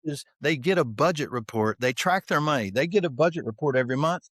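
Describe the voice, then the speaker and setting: A man's voice: on the high side, lively intonation, brisk, a bit bright, no echo, clean studio sound. A man guest on a podcast interview, telling stories and driving points home with emphatic rhetorical questions. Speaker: podcast guest, author on leadership development. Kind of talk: conversational podcast interview, storytelling.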